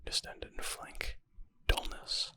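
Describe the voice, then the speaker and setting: A man speaks entirely in a breathy whisper with no voiced tone, bright and airy. It is an ASMR reading mixed with casual, murmured commentary, as if he is thinking aloud. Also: slow pace, no room sound. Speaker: ASMR creator reading and answering medical exam questions.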